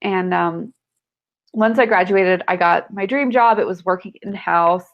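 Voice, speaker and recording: Congested lawyer woman on a video call, low gravelly voice, dull lo-fi sound. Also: unhurried. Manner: friendly, laughs often, many ums. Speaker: guest attorney. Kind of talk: casual video chat interview.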